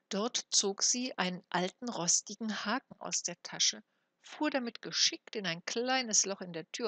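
A woman reading an old fairy tale aloud for an audiobook, with expressive storytelling. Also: lowish voice, no echo. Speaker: audiobook reader.

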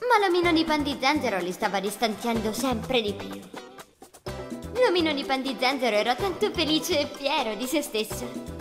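Children's cartoon narrator: a woman, bright and lively, telling a fairy tale. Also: high-pitched, normal speed, over music. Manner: expressive, child-friendly telling. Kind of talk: scripted storybook narration.

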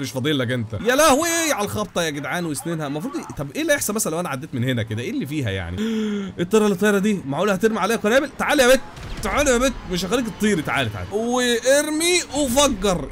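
A young Egyptian man races through excited gameplay commentary in a high, bright register, his words tumbling out very fast. He bursts into exclamations and playful shouts, with a faint hiss of noise behind him. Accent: Egyptian Arabic. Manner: rapid, animated, shouts and exclamations. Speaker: gaming YouTuber.

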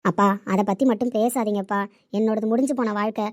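A woman's voice: medium pitch, steady tone, fast, no echo, studio quality, natural voice. A young woman playing a self-sacrificing daughter who pleads with and reassures her father. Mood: pleading. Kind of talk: amateur family drama acting.

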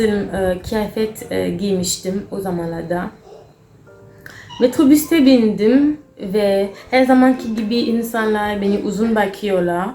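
A young woman with a Cameroonian accent tells stories casually to her viewers in a foreigner's broken Turkish. She searches for words as a non-native learner does. The room has a clear echo, with faint music behind her voice. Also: medium pitch, a little mellow. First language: not Turkish, a foreign learner. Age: young adult. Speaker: vlogger.

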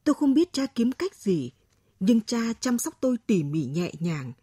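A woman reading a short story aloud in a soft, measured way. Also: a little high, very animated, slightly rough, dry recording, clean studio sound. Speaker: story narrator. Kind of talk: scripted narration of an emotional short story.

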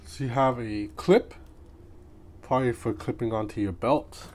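This man's mid-range voice is a little mellow and a little slow as he offers off-the-cuff commentary while unboxing a gadget for his casual vlog. Outside street noise leaks clearly into the small home room where he records.

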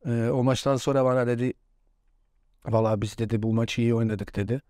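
A man's voice: medium pitch, fairly even intonation, a little fast, dark tone, no room sound, clean studio sound. A former footballer in his forties, a man, telling stories in a casual interview and laughing often. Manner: chatty anecdotes with frequent laughs.

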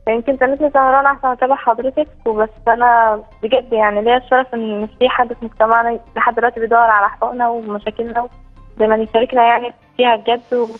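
A woman with an Egyptian accent calling in over a poor phone line, talking earnestly with lots of fillers. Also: a little high. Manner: rapid, earnest, full of fillers and praise. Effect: caller on a poor phone line. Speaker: caller. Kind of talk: call-in chat.

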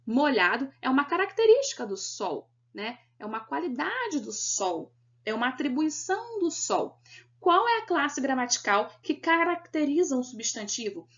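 A woman's voice: high voice, a bit bright, dull audio. A Brazilian Portuguese-speaking woman teaching an exam-prep grammar lesson, explaining step by step and checking in with her students. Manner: didactic, checks in with "né?" and "beleza?". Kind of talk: recorded video lesson.

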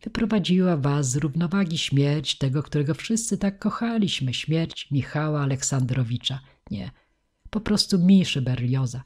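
A woman reading the part of a jovial, well-fed male official who speaks in a smooth, placating way, with a husky voice. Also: deep voice, lively intonation, normal speed, a little mellow. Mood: soothing.

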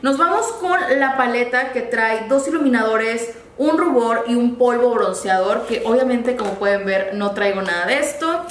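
A woman's voice: fairly high pitch, animated, moderate pace, hardly any pauses. A young woman, reviewing makeup in a chatty, upbeat way. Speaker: beauty vlogger. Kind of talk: casual product review. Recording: echoey room, faint ambient noise.

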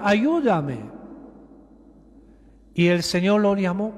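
In a large church with a long, ringing echo, a high-voiced bishop takes his time over an emphatic sermon. He drives his points home through repetition.

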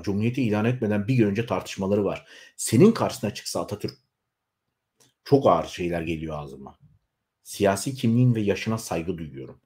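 A man in his forties delivering a heated political rant straight to his viewers, scolding and shaking with anger, his voice swinging up into shouts. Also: medium pitch. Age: 40s. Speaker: YouTuber. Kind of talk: angry political rant to camera.

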